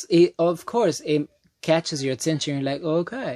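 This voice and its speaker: In a Spanish accent, a man speaks at a moderate pace, the sound dry and close with no echo. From Mexico. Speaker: movie reviewer. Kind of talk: casual video review. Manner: halting, many fillers and restarts.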